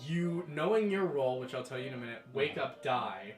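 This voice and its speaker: A man's voice: medium pitch, expressive. Rambling young male game master. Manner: rambling, many fillers, quick bursts. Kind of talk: narrating a tabletop game. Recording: echoey room with music behind.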